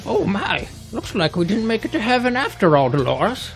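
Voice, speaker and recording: A man voicing a fussy, chatty elderly retiree driver in a quavering, high, theatrical voice. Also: very animated, moderate pace, vocal fry, heavily acted. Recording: faint music underneath.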